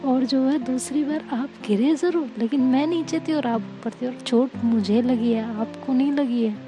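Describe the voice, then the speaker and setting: A woman's voice: sits high, normal speed, over music, natural voice. A woman voicing Seerat, a sarcastic young woman who answers with mock politeness. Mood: mock-polite.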